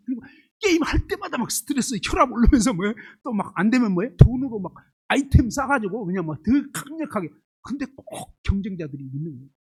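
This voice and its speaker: A man preaches a sermon in a high voice with a breathy edge, captured on poor audio. He's emphatic, firing constant rhetorical questions at the congregation and illustrating his points with homely everyday examples.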